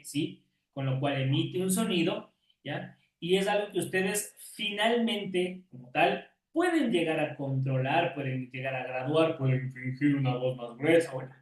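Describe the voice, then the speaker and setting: A male teacher giving an online class lecture, often checking in with questions and calling on students by name. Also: fairly high pitch. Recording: roomy echo, distant from mic.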